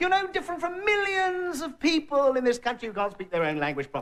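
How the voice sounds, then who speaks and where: A woman at a very fast pace with very wide pitch swings, amid noticeable background noise. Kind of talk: polished, upper-class English.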